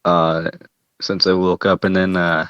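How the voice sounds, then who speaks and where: A man's voice: low voice, flat delivery, measured pace, fairly bright tone, smooth, no room sound. A man chatting casually as a player in an online tabletop game, speaking hesitantly with many fillers. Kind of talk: casual chat between players. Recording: dull, dry lo-fi mic.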